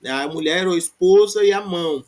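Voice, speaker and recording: A man's high, somewhat mellow voice carries a Brazilian Portuguese accent as he gives a Greek grammar lesson. Slow recitations of word forms alternate with quick explanatory bursts, and he keeps adding "né?" to his sentences.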